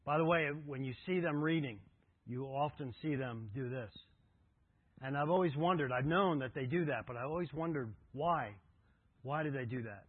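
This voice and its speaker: This pastor's husky, medium-pitched voice comes through a dry recording with a tinny, phone-like quality, at normal speed. His sermon begins with conversational travel stories and turns into an earnest exhortation for the congregation to be devoted.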